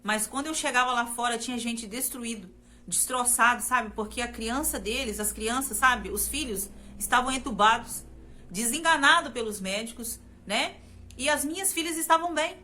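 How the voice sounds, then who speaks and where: A woman's voice: fairly high pitch, normal speed, sharp tone, a little hiss or hum. A woman from Brazil sharing a personal faith testimony in an earnest, repetitive way, often turning to her listeners directly. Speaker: testimony speaker.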